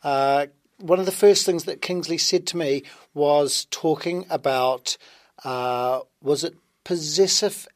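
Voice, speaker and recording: A male teacher speaking in an interview, thoughtful and pausing with fillers as he explains. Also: fairly high pitch, no room sound, studio quality. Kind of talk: conversational interview.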